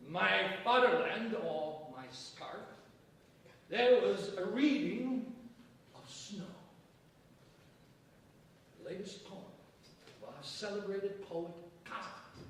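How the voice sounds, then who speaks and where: Provincial editor for a staged play, male actor: cheerful, self-assured, declamatory, high-pitched, heard distant in a very echoey hall. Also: animated, slow, pauses often, fairly bright tone, exaggerated voice. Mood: pompous. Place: theater stage, before an event audience. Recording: echoey stage, distant mic, faint noise.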